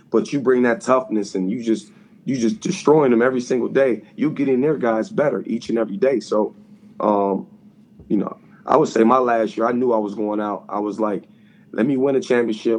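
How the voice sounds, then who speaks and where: With an unremarkable speaking voice, a man talks at a fairly quick pace and a medium pitch with ordinary pitch variation. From Chicago area, Illinois. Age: young. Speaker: basketball assistant coach, former player. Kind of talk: casual interview. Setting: phone call.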